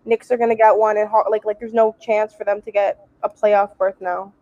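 A woman's voice: mid-range voice, flat delivery, a little fast, mellow, no room sound, lo-fi sound. A woman co-hosting a casual sports chat who talks in a chatty way, full of fillers.

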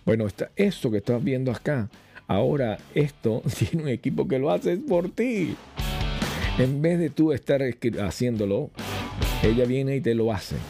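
A man's voice: medium pitch, normal speed, creaky, music in the background. A man hosting a podcast from a small home studio, talking casually and animatedly to camera with rhetorical questions. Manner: animated, addresses viewers directly with rhetorical questions. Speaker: podcast host and radio announcer. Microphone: studio microphone.

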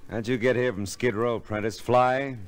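An actor playing a wry, curious hard-boiled private eye in an old radio detective drama, with clipped, slangy delivery. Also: male voice, mid-range voice, steady tone, moderate pace, natural voice. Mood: sardonic.

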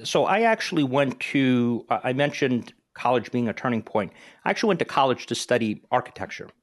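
A man's voice: mid-range voice, sing-song, brisk. A talkative man in his forties hosts a podcast in a casual, upbeat way. He grew up in New Jersey and learned Greek before English, and he often restarts his sentences as he goes. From northern New Jersey. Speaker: podcast host.

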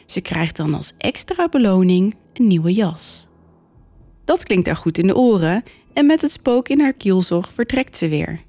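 A woman podcast host narrating a folk tale in a clear, steady storytelling manner. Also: mid-range voice, a little slow, no room sound.

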